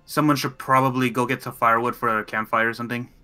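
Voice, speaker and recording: A man's voice: medium pitch, little pitch movement, fast, sharp tone. A man talking casually as a player in a tabletop roleplaying game. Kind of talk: casual chat.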